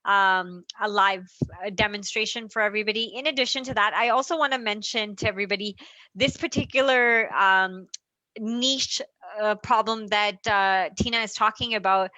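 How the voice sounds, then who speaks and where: A woman hosting an online webinar over a video call, introducing a guest and talking with many small filler pauses. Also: mid-range voice, bright, forceful tone, dry recording, poor audio. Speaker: host.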